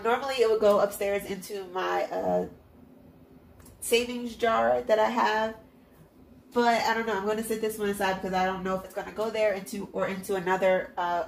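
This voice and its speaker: A woman's voice: medium pitch, steady tone, moderate pace, gravelly, roomy sound, a little hiss or hum, poor audio. A woman with a stuffed-up, congested nose chatting in an upbeat way as she counts cash into envelopes at home. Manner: chatty, upbeat, self-encouraging. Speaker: budgeting vlogger. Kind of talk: casual narration while counting cash. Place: at home, at a table. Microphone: hands-only overhead camera, mic off-frame.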